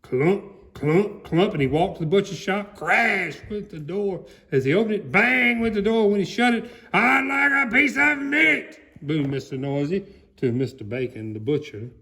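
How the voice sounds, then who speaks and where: A man voicing a folksy, excitable country alligator, giving a theatrical comic storybook reading. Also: sits high, normal speed, breathy edge, full character voice. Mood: hammy, excited. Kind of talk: dramatic storybook reading, played for comedy.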